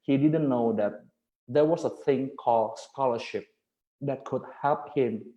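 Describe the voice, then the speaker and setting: A man's voice: medium pitch, a little slow, highs cut off. A young man from Indonesia, a native Indonesian speaker, giving an earnest, formal webinar talk in English over a video call, repeating phrases for emphasis. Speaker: guest speaker. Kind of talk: webinar presentation. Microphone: computer mic on video call.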